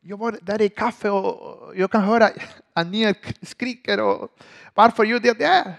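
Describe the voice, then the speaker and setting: A man's voice: high-pitched, gravelly, pitched above the performer's own voice. A man putting on the voice of a stern female schoolteacher, with a raised, emphatic tone.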